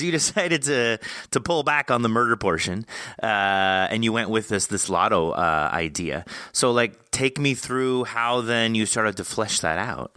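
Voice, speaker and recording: A man's voice: on the low side, bright, forceful tone, dry recording, clean studio sound. A man hosting a podcast in a casual, effusive, rambling and jokey interview style. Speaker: podcast host.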